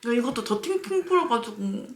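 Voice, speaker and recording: A woman's voice: fairly high pitch, big pitch swings, brisk. A woman chatting casually to viewers as a mukbang vlogger, talking while chewing with her mouth often full, dropping in murmured, savoring asides. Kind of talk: casual eating-show chat to viewers. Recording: roomy echo, faint noise with clicks.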